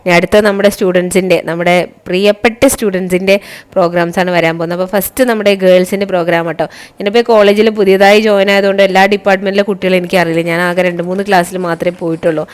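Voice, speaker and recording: Woman, Kerala accent, very quick pace, chatty vlog narration, Malayalam-English mix. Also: lowish voice, steady tone, smooth. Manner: Malayalam mixed with English words; chatty, addresses viewers with frequent tag words. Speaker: college teacher and vlogger.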